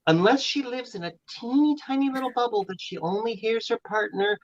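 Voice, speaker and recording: A woman's voice: on the high side, brisk, highs cut off. A trans woman guest on a casual podcast chat, blunt and opinionated. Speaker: guest, trans support group leader.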